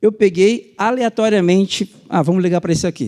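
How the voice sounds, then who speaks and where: A man in a strong Paraná accent, dark and mellow in tone, with a dry, close sound, no echo, and a very clean recording against a silent background. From Paraná, Brazil (Sengés, Campos Gerais). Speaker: pastor. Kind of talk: sermon.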